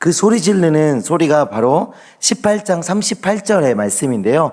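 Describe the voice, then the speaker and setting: A man with a fairly high voice swings his pitch very widely, recorded very cleanly against a silent background. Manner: preaching, reading scripture aloud.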